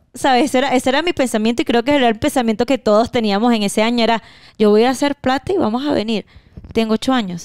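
A woman with a normal speaking voice, dry sound with no echo, and a quiet background. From Venezuela, Caracas (Petare); Venezuela. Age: 20s. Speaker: Venezuelan migrant guest; guest. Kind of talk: casual interview. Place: home room. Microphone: handheld.

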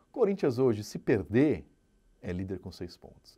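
A man speaks against a quiet background. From Brazil. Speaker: sports journalist. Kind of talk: football commentary vlog. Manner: casual, conversational. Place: studio.

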